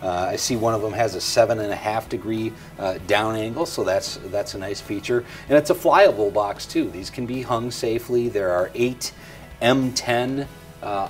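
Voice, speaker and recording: Slightly low-voiced man presenting, music behind. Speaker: presenter of a product tutorial. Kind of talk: conversational product presentation.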